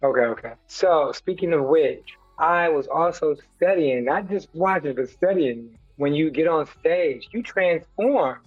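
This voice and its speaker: A man from the American Midwest interviewing a guest in a casual, playful, slangy way with quick interjections. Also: a little high, slightly rough, dry recording, phone-quality sound, soft background music. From Detroit, Michigan, US.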